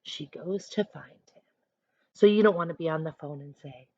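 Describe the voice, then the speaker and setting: A woman teacher reading aloud to children, adding chatty instructive asides in an expressive manner. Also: deep voice, moderate pace, dry recording, highs cut off. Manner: expressive, instructive, acts out short examples.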